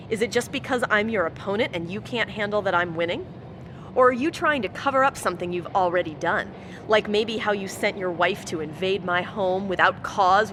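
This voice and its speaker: A woman's voice: medium pitch, noisy background, natural voice. An actress playing a belligerent woman politician in an audio drama, sarcastic, confrontational and vengeful as she rants.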